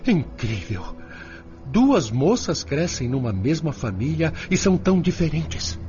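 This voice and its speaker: Ator fazendo um avô angustiado e indignado, voz bem variada. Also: male voice, a little high, big pitch swings, measured pace, darkish tone. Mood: bitter, exasperated. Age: older. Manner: emphatic, exclamatory. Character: anguished, indignant grandfather spirit fretting over his family. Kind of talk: radio drama acting. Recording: dull lo-fi audio with music behind.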